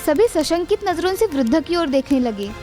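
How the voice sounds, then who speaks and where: High-voiced woman narrating a story. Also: moderate pace, faint music behind. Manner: even, dramatic storytelling.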